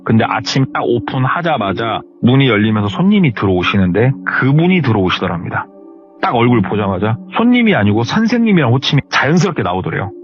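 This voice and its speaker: Animated male horror storyteller. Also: mid-range voice, fast talker, soft background music. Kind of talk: retelling a viewer's horror story. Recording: slightly muffled lo-fi recording.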